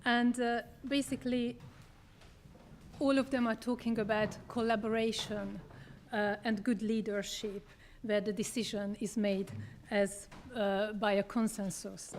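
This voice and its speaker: A woman from Hungary, presenting her book as a dramaturg in a measured public talk with frequent hesitations, holding a microphone. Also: medium pitch, level tone, darkish tone, a little hiss or hum. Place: theater event space. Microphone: handheld microphone.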